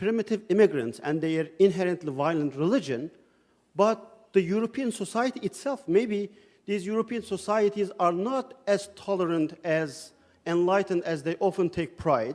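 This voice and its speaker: The speech runs at a moderate pace with lively intonation. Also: man, high pitch for a man. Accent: Turkish. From Turkey. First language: Turkish. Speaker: audience member asking a question. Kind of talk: Q&A after a lecture.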